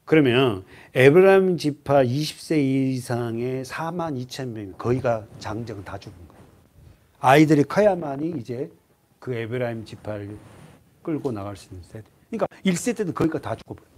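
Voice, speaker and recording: In a church sanctuary, a male pastor delivers an expository sermon with a medium-pitched voice. He keeps things lively by quizzing the congregation and lowers to a hush for grim points.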